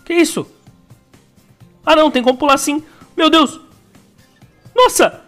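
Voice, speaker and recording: A young Brazilian man giving excitable, slangy gameplay commentary as a gaming YouTuber, full of exclamations. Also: extremely high pitch, moderate pace, faint music behind. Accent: Brazilian Portuguese.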